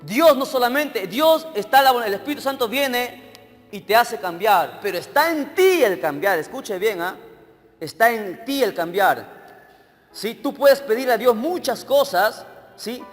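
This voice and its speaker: High-pitched male evangelist, sermon style, quizzes the congregation, reverberant hall. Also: expressive, a little slow. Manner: questions the congregation directly, checking they follow. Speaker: evangelist preacher. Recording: long hall reverb with faint music.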